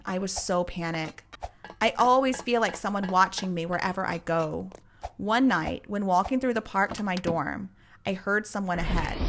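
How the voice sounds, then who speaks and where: A woman tells a dramatic first-person story in scripted, plain storytelling. Her pitch sits in the middle of the range, and clear background music runs under the whole narration.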